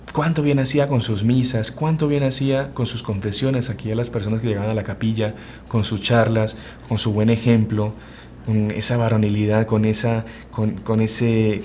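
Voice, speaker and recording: A man's voice: medium pitch, dark tone, slight background noise. A man with a Uruguayan Spanish accent, a religious brother giving an earnest spiritual formation talk. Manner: earnest, preaching, speeds up and slows for emphasis.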